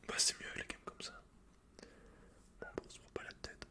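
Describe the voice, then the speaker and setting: Over the clatter of keyboard typing, a gaming ASMR host delivers whispered, teasing, slang-heavy commentary on his gameplay, mouth close to the mic. His voice comes out pushed and bright at a normal speed.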